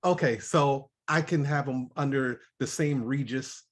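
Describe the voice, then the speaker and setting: A man hosting a casual online show, asking a guest questions and hyping up his listeners with quick, short replies. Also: mid-range voice. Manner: upbeat, short acknowledgments, hypes the audience. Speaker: show host. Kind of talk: casual interview and live audience chat.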